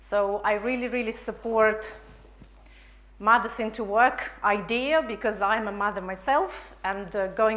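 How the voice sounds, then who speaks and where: At a fairly slow pace, a woman with a non-native accent speaks at a fairly high pitch with fairly even intonation. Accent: foreign. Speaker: business and career mentor. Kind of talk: workshop presentation. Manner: halting.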